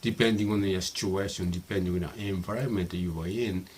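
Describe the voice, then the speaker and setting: A man's voice: low voice, a little fast, a little mellow, slight background noise. A man in his fifties with a Japanese accent, a native Japanese speaker talking casually to his viewers, hesitant, with many fillers and restarts. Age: 50s. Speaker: YouTuber. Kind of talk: casual talk to camera.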